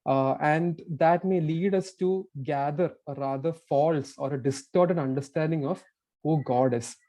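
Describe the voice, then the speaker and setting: A male preacher delivers a sermon at a pulpit microphone in a church. His voice sits slightly high but sounds warm and mellow. He explains earnestly and often stops to restart a thought. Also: unhurried.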